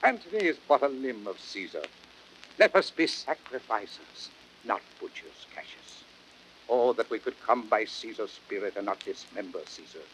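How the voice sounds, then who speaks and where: A man playing a grave, high-minded Roman nobleman, speaking in a solemn, measured, oratorical Shakespearean style. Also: very animated, a bit bright, rough recording. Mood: earnest, resolute. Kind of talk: classic Shakespearean radio acting, oratorical. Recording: hissy old audiodrama record.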